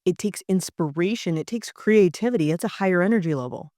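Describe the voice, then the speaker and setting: A woman's voice: on the low side, animated, brisk, mellow, dry recording, clean studio sound. A woman, an organizational psychologist, giving a motivational podcast talk on careers, speaking emphatically and stacking her points in repeated lists.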